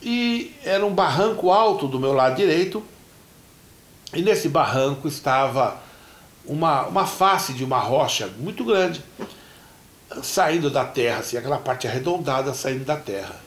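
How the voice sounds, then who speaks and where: Brazilian man, pastor, sermon story, fairly high voice, animated, roomy church echo. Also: moderate pace. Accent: Brazilian Portuguese. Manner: animated storyteller who acts out dialogue.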